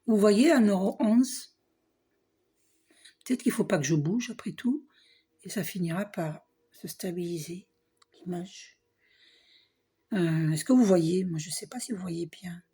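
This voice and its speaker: A hoarse middle-aged woman with a husky voice, talking casually in a spiritual vlog, often clearing her throat and trailing off. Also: fairly low pitch, measured pace, pauses often. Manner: frequent throat clearing and coughing; hesitant, restarts, soft asides. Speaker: spiritual vlogger. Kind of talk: casual spiritual vlog, reading card box aloud.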